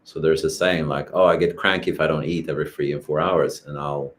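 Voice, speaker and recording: Deep, low-pitched man from Sweden, calm and reflective co-host explaining things with everyday examples. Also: fairly quick. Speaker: co-host of wellness masterclass. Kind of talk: explanatory casual talk.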